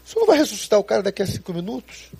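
A man's voice: sits high, very animated, rapid-fire, gravelly, warm tone, husky, dry recording, pitched above the performer's own voice, exaggerated voice. A preacher voicing a bewildered adult male disciple who keeps pressing questions. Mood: baffled.

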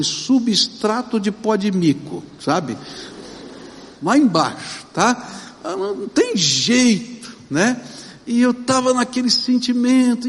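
A middle-aged man with a Brazilian Portuguese accent, preaching a sermon as pastor, with emphatic, slow, drawn-out stresses. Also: high-pitched. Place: church sanctuary. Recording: long reverb of a large church.

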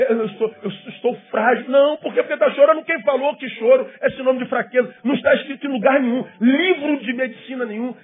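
A man preaching a sermon as pastor, climbing to emphatic questions and dropping to hushed asides. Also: very high voice. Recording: tinny phone-like sound with faint music behind.

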